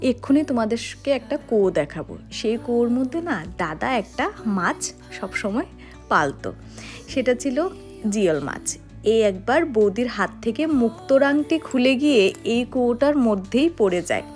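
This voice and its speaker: A young woman from Agartala narrates her day to the camera in an easy, chatty way, stopping to tell small family stories. Her voice sits a little high, with faint background music behind it. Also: expressive, moderate pace. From Agartala, Tripura, India. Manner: chatty, warm storytelling to viewers. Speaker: vlogger. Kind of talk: casual vlog narration.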